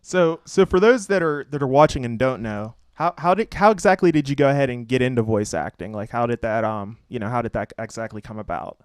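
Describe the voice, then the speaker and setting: A man hosting an interview, asking questions in an upbeat way with quick affirmations. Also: medium pitch, animated, clean tone, no echo, clean studio sound. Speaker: interview host.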